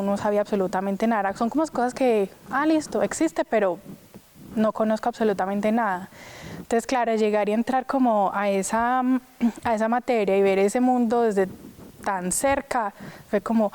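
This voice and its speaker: A woman's voice: medium pitch, a little mellow. A young woman who sings opera, chatting casually in an interview and filling her speech with "pues" and "o sea". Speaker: opera singer.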